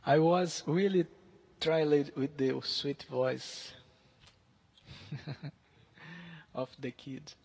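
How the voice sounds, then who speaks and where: Halting man, gravelly. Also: fairly high pitch, steady tone, darkish tone. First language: Portuguese. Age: 30s. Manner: halting, searching for English words. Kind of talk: casual chat with online stranger.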